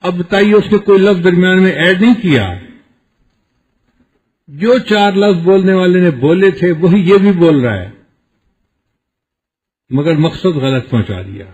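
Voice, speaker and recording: A man preaching a sermon in a husky, slightly raised voice, teaching through everyday examples and little acted quotes. The recording is dull and lo-fi. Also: sits high, expressive, pauses often, a little mellow. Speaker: Islamic preacher.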